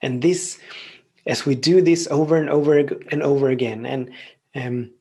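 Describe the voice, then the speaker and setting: A man whose first language is Swedish, hosting a podcast and calmly giving a reflective spiritual teaching monologue, often repeating phrases in long lists. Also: mid-range voice, normal speed, breathy edge. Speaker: podcast host.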